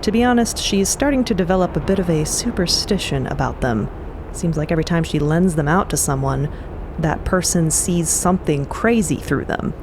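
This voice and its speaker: A woman narrating a scripted story in a conversational way, with clear ambient noise behind her. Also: fairly low pitch, animated, moderate pace.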